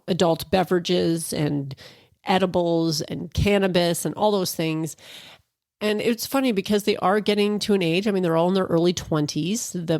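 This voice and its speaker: A woman's voice: lowish voice, a little mellow, no room sound, clean studio sound. A woman in her forties hosting a casual solo podcast, a little stuffed up from allergies, chatty and rambling with fillers and restarts. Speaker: podcast host.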